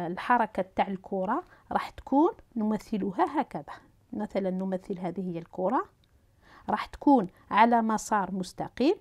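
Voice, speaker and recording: A woman with an Algerian Arabic accent and a mid-range, darkish voice teaches a physics lesson. She walks students through each step as she writes and draws, pausing with fillers and restarting her sentences.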